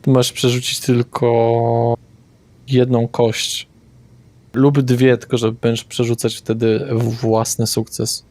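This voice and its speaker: A man's voice: mid-range voice, little pitch movement, slow, a little mellow, no echo. A man runs a tabletop roleplaying game in a mid-range voice. He describes scenes and rules casually, as a game master does among players.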